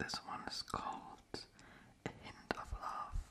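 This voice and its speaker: A soft-spoken woman whispering at a very slow pace amid noticeable background noise. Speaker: ASMR creator. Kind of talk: soft-spoken product show-and-tell. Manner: soft ASMR whisper, close to microphone.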